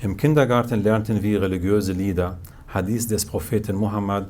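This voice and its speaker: A man with a Kurdish accent, fairly low in pitch, at a moderate pace with fairly even intonation and audible room echo. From Syria (Aleppo), Kurdish. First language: Kurdish (speaking German). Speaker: author. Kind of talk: reading aloud. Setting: stage with audience.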